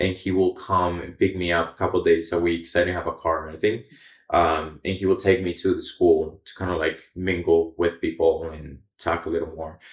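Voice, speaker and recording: In a very clean recording with a silent background, a man speaks fairly quickly with big swings in loudness. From Colombia, small town. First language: Spanish. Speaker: orchestral trumpeter. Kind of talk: casual interview chat.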